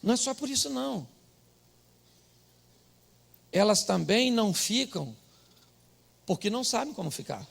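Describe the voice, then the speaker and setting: A middle-aged Brazilian pastor telling a comic story in a sermon, dropping to murmured asides and rising to shouted punchlines. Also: male voice, sits high, big pitch swings, unhurried, creaky, long pauses, husky.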